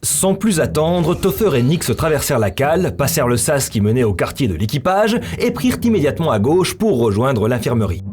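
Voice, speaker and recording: A male narrator reads scripted science-fiction storytelling. His voice sits at an average pitch for a man. Faint music runs behind the narration. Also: sing-song, fairly quick, hardly any pauses, darkish tone. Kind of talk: scripted narration of a sci-fi visual novel.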